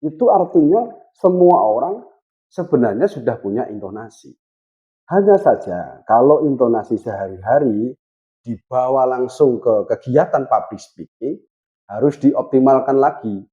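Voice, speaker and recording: A man in his thirties teaches public speaking straight to camera, deliberately shifting his intonation to demonstrate how it is done. His medium-pitched voice is lively and measured, though the audio sounds dull.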